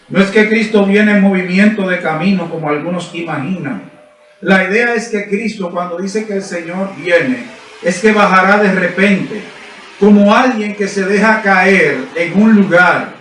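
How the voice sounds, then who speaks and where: During a church service, a man preaches in a high, ringing, fairly bright voice, driving his points home with emphatic repetition and rhetorical questions to the congregation. A distant mic captures a roomy, echoing sound.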